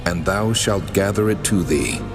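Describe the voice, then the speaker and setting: Man as deep, reverberant, solemn voice of God. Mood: solemn, commanding. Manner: solemn, declamatory, measured. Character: God, a mighty male deity commanding solemnly. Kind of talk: dramatized scripture reading. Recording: long hall reverb, music underneath. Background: music.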